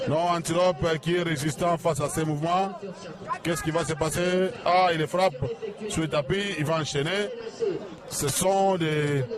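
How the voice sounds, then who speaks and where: A man giving excited live play-by-play of a wrestling match outdoors, asking himself rhetorical questions. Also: on the high side. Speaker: wrestling commentator. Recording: crowd noise behind. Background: cheering crowd.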